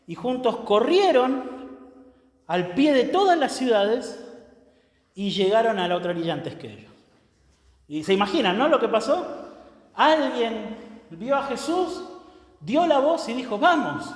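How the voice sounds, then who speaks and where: A man preaching a sermon as pastor, emphatic, swinging between loud declarations and hushed lines, often checking in with the congregation. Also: extremely high pitch. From Argentina. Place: church sanctuary. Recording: echoey church hall with long reverb.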